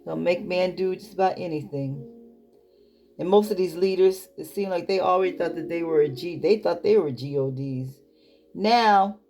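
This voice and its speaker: A woman's voice: fairly low pitch, dark tone. A woman reading scripture aloud as a Bible teacher, breaking off into informal, emphatic comments of her own. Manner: colloquial, emphatic asides.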